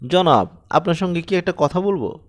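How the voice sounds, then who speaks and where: A man's voice: sits high, animated, normal speed, pitched above the performer's own voice. A man voicing a very polite, mysterious neighbour with a thin voice in an audiobook story. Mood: polite, timid. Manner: very polite, formal.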